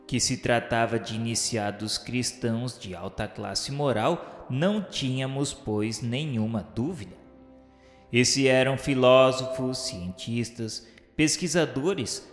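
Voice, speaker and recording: Male Brazilian narrator for a solemn radio novela: slow, formal delivery, long hall reverb. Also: mid-range voice. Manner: formal, declamatory, measured. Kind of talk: solemn, literary scripted narration. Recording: echoey hall-like reverb under music. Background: music.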